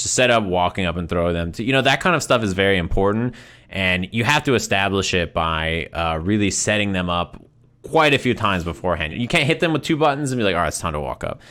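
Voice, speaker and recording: A man's voice: low voice, a bit bright. A man giving casual, conversational fighting game commentary on a livestream, repeating phrases for emphasis and often checking in with "right?".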